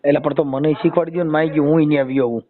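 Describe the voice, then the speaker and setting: A man's voice: on the high side, steady tone, very fast. A man with a Saurashtra Gujarati accent in a casual phone conversation, teasing and questioning, often repeating and rephrasing what he hears. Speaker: host mediating a family dispute by phone. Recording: tinny, narrow phone-call audio.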